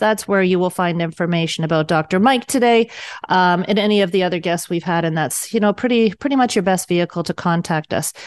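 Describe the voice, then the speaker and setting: A woman speaks at a fairly quick pace, medium in pitch with ordinary pitch variation, in a plain, everyday voice. The sound is dry and close with no echo against a quiet background. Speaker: radio host and nutritionist. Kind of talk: radio interview.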